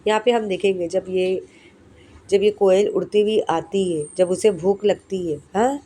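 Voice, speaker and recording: Mellow-voiced woman teaching young children. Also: medium pitch, fairly even intonation, a little hiss or hum. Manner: asks the class questions and answers them herself; recites the poem slowly in a sing-song way. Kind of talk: explaining a poem to young children.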